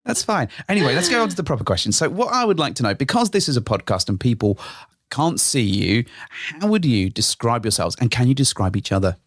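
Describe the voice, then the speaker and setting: A man co-hosts a relaxed podcast, cracking jokes and drifting into asides. His pitch rises and falls in a lively way. The sound is dry, with no room echo. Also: brisk. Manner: jokey, rambling asides. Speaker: podcast co-host. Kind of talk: casual podcast chat.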